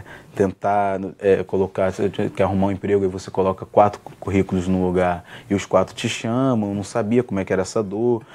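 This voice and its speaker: A young man, a stand-up comedian telling stories in a casual interview, with many restarts. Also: sits low. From Rio de Janeiro, Brazil. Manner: fast, relaxed storytelling with many restarts and fillers.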